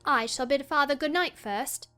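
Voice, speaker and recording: A woman's voice: high-pitched, moderate pace, pushed and bright, soft background music, voice pushed up. A woman voicing a bold, saucy young girl.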